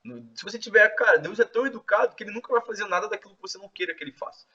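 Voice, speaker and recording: A man casually telling his testimony in an excitable, slangy way, full of filler words. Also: high voice, very fast, a little hiss or hum. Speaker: host sharing his testimony. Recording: distant, dull lo-fi mic.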